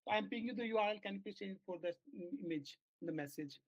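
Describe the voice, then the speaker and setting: Halting man explaining a bug. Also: high-pitched, no room sound. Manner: halting explanations full of fillers and restarts. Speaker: software engineer. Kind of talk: work meeting on a video call. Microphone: video call. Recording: dull lo-fi call audio.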